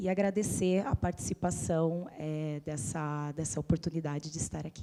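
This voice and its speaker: A woman with a slight interior São Paulo accent speaks at a moderate pace in a very deep, low voice, her dark, mellow tone carrying fairly even intonation. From Itu, São Paulo state interior, Brazil. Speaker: history teacher. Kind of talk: self-introduction in panel.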